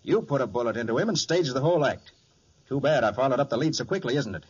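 A man playing a brisk, confident private detective in 1940s radio style, commanding and clipped. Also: medium pitch, expressive, darkish tone, breathy edge. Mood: accusing. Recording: muffled, noisy 1940s radio recording.

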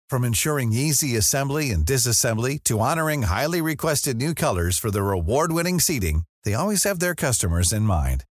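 A man's voice: mid-range voice, no echo, clean studio sound. A man reading a scripted ad in a polished, upbeat way. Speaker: ad announcer. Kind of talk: scripted ad read.

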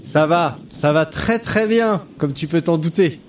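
A man's voice: on the high side, unhurried, a little hiss or hum. A man hosting a cycling podcast, chatting casually and hesitating often with fillers. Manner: friendly, many hesitations and fillers. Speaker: podcast host.

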